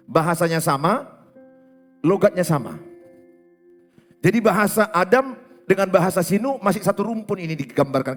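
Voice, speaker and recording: A middle-aged male pastor with a Batak lilt preaches in a church, his voice pitched high and swinging widely as he quizzes the congregation and mimics regional accents. Faint music plays behind him. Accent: Batak-inflected Indonesian. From Indonesia. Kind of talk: sermon. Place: church hall.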